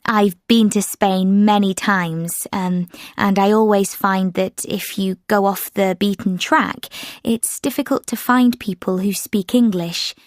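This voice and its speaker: Woman, native French speaker, steady delivery with frequent fillers, dry studio. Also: mid-range voice, a little slow, no room sound. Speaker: sample answer speaker. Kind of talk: scripted exam answer recording.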